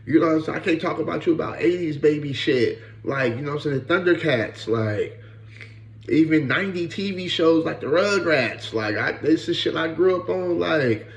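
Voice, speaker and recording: Blunt, gravelly-voiced man in his thirties. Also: on the high side, expressive, moderate pace, reverberant. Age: 30s. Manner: blunt, profane, repeats "bro" and "you know what I'm saying". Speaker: podcast host. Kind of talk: casual commentary.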